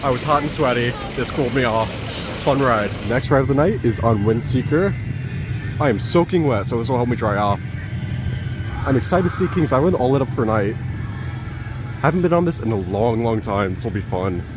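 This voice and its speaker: A man's voice: medium pitch, lively intonation, normal speed, background noise. A man in a casual vlog, touring an outdoor amusement park and giving short, upbeat remarks to a handheld camera. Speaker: theme park vlogger.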